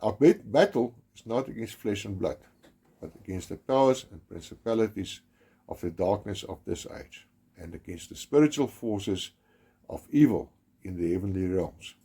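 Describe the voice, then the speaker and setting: Solemn South African man narrating, husky. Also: on the low side, expressive, warm tone. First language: Afrikaans. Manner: grave, measured, with emphatic stresses and some restarts. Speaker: documentary narrator.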